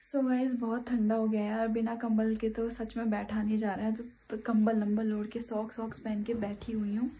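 A young woman from Uttarakhand talks casually into a handheld phone as she vlogs her day. Her voice sits a little high and stays chatty, loud outside and soft at home. A faint background noise runs beneath her. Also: level tone, moderate pace, few pauses. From Uttarakhand, India. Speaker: vlogger. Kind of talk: casual daily vlog. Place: streets, office and home, in and out of doors.

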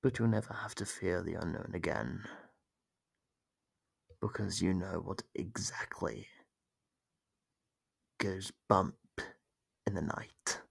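A man's voice: sits low, slow pace, long pauses, no echo, heavily acted. A man voicing a sadistic monster captor in an ASMR roleplay, taunting and theatrical, often slipping into a whisper. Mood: mock tender, menacing. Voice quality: gravelly, husky. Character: sadistic gloating monster captor who toys with its prey.

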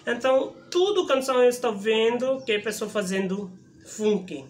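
A man in his thirties from India with an Indian accent, hosting a casual reaction video from a room indoors with a lapel mic, speaking halting learner Portuguese in a chatty, excitable way. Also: very high-pitched, slight background noise. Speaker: YouTube reaction host. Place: indoor room in front of a wooden backdrop. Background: music playing from the reacted video.

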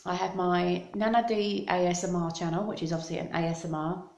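A middle-aged woman with an English accent rambles casually to her phone camera, her mouth dry from thirst. Her voice sits a little low, and it rings in the bare, echoey room of her house. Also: steady tone, brisk, vocal fry, a little mellow. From Scotland. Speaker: vlogger. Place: small room in a house, indoors. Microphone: phone camera held close.

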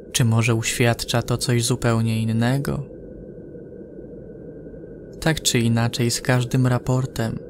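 A man narrating a scripted sci-fi horror audio drama in a measured way with dramatic pauses. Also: mid-range voice, background noise.

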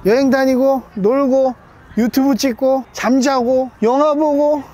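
A man's voice: very high-pitched, fairly even intonation, measured pace, a little mellow. A man in his thirties talking casually and with self-assurance to his vlog camera. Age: 30s. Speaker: YouTuber, car collector. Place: mostly inside a car, sometimes outdoors.

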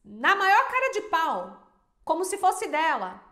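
A Brazilian woman with a very high voice talks straight to her viewers about business, emphatic and animated. She keeps throwing in rhetorical questions. The room around her is echoey. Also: takes it slowly. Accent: Brazilian Portuguese. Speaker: small business owner and teacher. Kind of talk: casual advice to viewers.

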